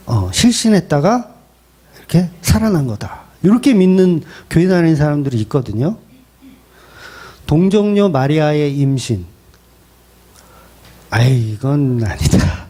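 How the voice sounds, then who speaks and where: A middle-aged male pastor preaching in a conversational way and posing rhetorical questions. His voice sits high and moves a lot in pitch, with a warm, mellow tone. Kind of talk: expository sermon.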